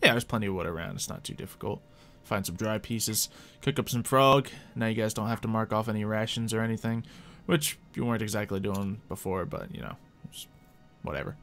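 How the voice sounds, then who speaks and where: A man's voice: lowish voice, a little fast, a bit bright. A man speaking casually as game master of a tabletop roleplaying game, narrating and chatting with players. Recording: music behind the voice. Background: music.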